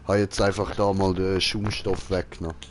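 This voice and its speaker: A man's voice: low voice, level tone, moderate pace, slight background noise. A man with a Swiss German accent chatting casually while streaming a game, giggly, jokey and full of slang. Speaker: gaming streamer reading and answering chat. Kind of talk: casual gaming chat.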